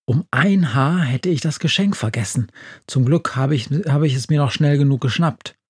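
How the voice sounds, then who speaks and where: A man doing a kind, gentle witch. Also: mid-range voice, normal speed, slightly rough, no room sound, clean studio sound, pitched above the performer's own voice. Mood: calm. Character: kind older witch, calm and friendly.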